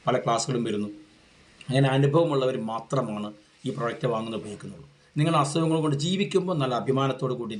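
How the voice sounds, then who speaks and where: Fast-talking man giving an earnest testimonial. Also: medium pitch. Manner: earnest, rambling, repetitive. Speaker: mimicry artist giving a product testimonial.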